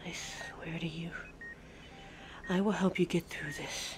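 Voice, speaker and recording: A woman playing a devoted, distraught young werewolf in an audio drama, halting and pleading as she speaks of her mate. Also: on the low side, fairly even intonation, whispered. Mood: tender, hushed. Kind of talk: amateur audio drama acting.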